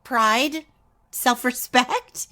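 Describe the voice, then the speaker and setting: An actress playing a serious, proud young female scientist, crisp and guarded, in a radio drama. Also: sits high, very slow, pushed and bright, heavily acted.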